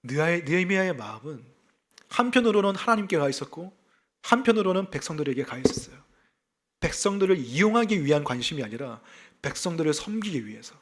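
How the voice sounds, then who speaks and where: A male pastor from South Gyeongsang with a faint Gyeongsang accent, giving a sermon in a lively, conversational way. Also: on the high side, brisk. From South Gyeongsang, South Korea. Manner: lively, conversational preaching with self-deprecating laughs.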